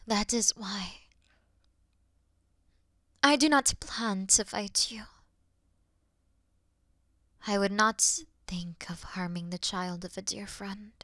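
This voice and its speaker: A woman playing a weary, noble and gentle demon queen in a fantasy audio roleplay, speaking earnestly in a breathy, hushed way. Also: medium pitch, steady tone, dry recording, studio quality. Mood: solemn, resigned. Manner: solemn, slow, earnest, breathy hushed delivery.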